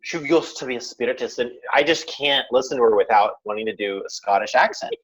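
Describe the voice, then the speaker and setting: Male podcast guest, mid-pitch, animated and laughing; dull, dry lo-fi sound. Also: fairly quick, husky, no echo. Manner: animated, laughs while talking, slips into mimicry. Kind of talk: casual chat.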